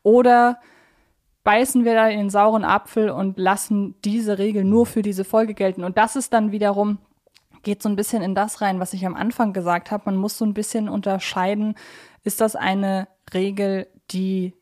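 A woman talking casually as a podcast co-host, explaining her points in a measured, conciliatory way. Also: medium pitch, little pitch movement, a little mellow. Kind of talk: casual, discursive podcast discussion.

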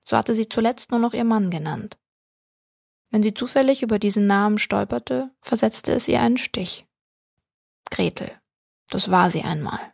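A woman reading a short story aloud as an audiobook narrator, calm and even, close to the mic. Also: medium pitch, gravelly, husky, no room sound. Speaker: audiobook reader. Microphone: close studio mic.

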